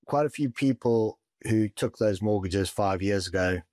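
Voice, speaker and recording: A man with a very deep voice, answering interview questions as a property and mortgage advisor. He speaks steadily and often repeats a word as he restarts. The recording is dry and close. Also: a little mellow, no room sound. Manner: measured, stumbles and repeats words.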